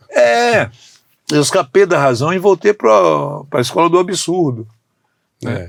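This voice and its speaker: Pitched high for a man, this speaker goes at a fairly slow pace with long, frequent pauses. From Bahia, Brazil (Santo Amaro). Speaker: musician. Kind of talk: interview. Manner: halting.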